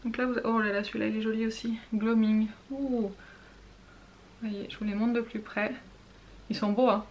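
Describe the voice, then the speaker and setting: Woman, slightly high voice; casual gushing beauty vlogger who drops to whispers. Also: flat delivery, normal speed, pauses often, dull audio, slight background noise. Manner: chatty, gushing, drops to whispers while swatching. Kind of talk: casual makeup swatch review.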